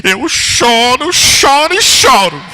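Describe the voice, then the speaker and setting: Guy doing a shrill old church lady who won't stop crying, high and bright, echoey church. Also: very animated, slow pace, heavily acted. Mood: defiant wailing. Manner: wailing insistently. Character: grief-stricken older church sister, defiant. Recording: church hall reverb.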